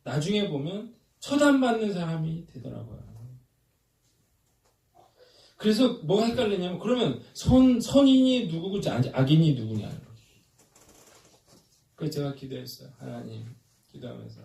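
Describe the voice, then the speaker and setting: Gravelly male pastor preaching in an echoey church. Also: high-pitched, big pitch swings, moderate pace, dark tone. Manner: leads the congregation in call-and-response, conversational with many hesitations. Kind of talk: sermon. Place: church sanctuary. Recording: roomy church hall, mic at a distance, faint noise.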